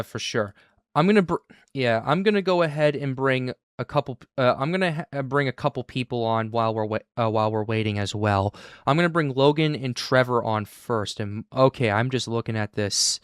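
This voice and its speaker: A man hosting a live weather stream, talking in halting bursts with many restarts. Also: medium pitch, clear, resonant tone, no echo, clean studio sound. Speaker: livestream host.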